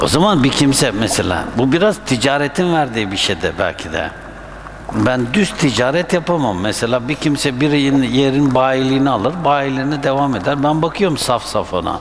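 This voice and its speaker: Speaking in an ordinary speaking voice at a moderate pace, a man keeps lively intonation and very even loudness over light background noise. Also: fairly high pitch for a man. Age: 50s. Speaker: Sufi sheikh and religious teacher. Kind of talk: Q&A talk on religion. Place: hall. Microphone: handheld.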